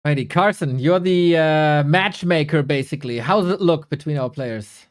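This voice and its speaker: A man's voice: fairly high pitch, normal speed. A man from Germany, hosting a live esports broadcast and reading a sponsor spot in a chatty, playful, self-mocking way. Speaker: esports caster and host.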